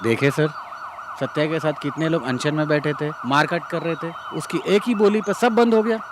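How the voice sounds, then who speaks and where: A man's voice: fairly high pitch, normal speed, background noise, close to an everyday voice. A man dubbing a loyal constable who speaks respectfully to his superior. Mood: earnest. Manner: earnest, respectful. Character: loyal male constable who believes in Satya. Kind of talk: Hindi film dub.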